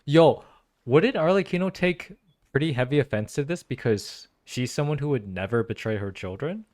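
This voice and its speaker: A young man giving casual, slangy play-through reactions as an excitable gaming fan. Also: mid-range voice, normal speed. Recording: game music behind voice.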